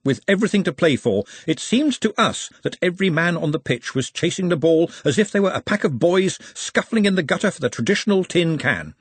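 A man's voice: fairly high pitch, lively intonation, a little fast, hardly any pauses, slightly rough, dry recording, pitched above the performer's own voice. A man voicing a florid, mock-solemn newspaper editor reporting a match in an audiobook.

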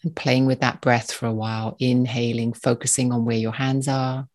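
A meditation guide giving slow, soothing spoken instructions in short, spaced phrases with a calm manner. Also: mid-range voice.

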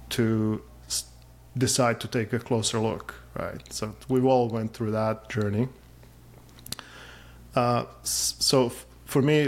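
A man in his forties from Serbia, chatting casually as an interview guest, with lots of fillers and a self-deprecating humor. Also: mid-range voice.

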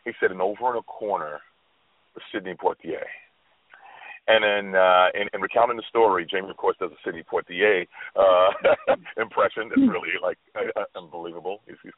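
A man's voice: sits low, a little fast. A man co-hosting a radio talk show, telling a story and reflecting on it earnestly, with frequent restarts. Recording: tinny phone line.

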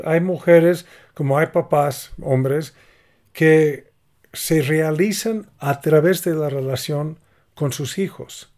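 Slow, calm man explaining. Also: fairly high pitch. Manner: calm, explanatory, acts out little example dialogues. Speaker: podcast co-host giving parenting advice. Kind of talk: casual conversation.

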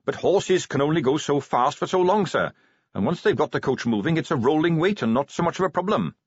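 An eager, respectful young captain of the watch, pitched noticeably higher as a man reading the story puts him on. His talk bounces with lively rises and falls, over a husky edge. The recording is dry and a bit dull. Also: brisk, no echo. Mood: earnest. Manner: eager, respectful, keeps saying sir. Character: earnest polite young male watch captain. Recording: dry, slightly dull lo-fi sound.

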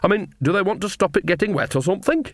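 A cheery older woman witch, played by a man, earthy and fond of a drink, in an audiobook. The voice is pushed up high, with breezy, cajoling, rustic talk and a close, dry sound. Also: lively intonation, fast talker, no room sound. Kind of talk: audiobook character voice.

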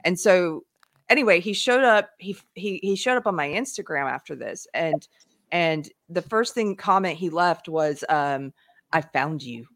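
A woman's voice: lowish voice, lively intonation, a little slow, fairly bright tone, no room sound, studio quality. A woman hosting a live online talk show, retelling events animatedly with frequent laughs. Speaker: livestream show host. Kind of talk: casual chat.

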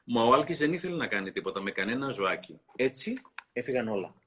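A man hosting a talk, reading a children's book aloud in an expressive storytelling way and pausing to comment. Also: medium pitch, slight background noise. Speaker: host.

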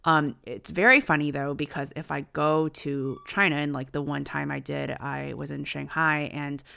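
A young woman from the United States co-hosts a podcast in easy, rambling conversation, leaning on lots of filler words. Her voice sits low and carries a gravelly fry, yet stays smooth and clear. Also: steady tone, normal speed, pushed and bright. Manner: chatty, many filler words. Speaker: podcast co-host. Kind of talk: casual conversation.

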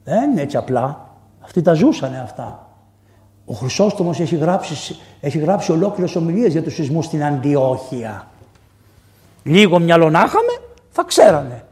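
A man, a priest, preaching a lively storytelling sermon in an amphitheater, acting out the dialogue of his story with sudden loud outbursts. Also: a little high, breathy edge. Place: diocesan amphitheater.

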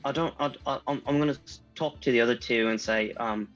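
A man's voice: medium pitch, a little fast, a bit bright, dull audio, faint music behind. A man playing a tabletop game, talking hesitantly with lots of stammers and self-deprecating remarks. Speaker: player.

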